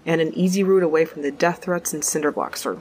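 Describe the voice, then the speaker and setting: Snarky sweary space courier, lowish voice, audio drama, bit of background noise. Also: female voice, fast, a little mellow, low-quality recording. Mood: wry storytelling. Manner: sardonic, colloquial. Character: wry, foul-mouthed, sharp-tongued space courier narrating their tale. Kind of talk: first-person audio drama narration and dialogue.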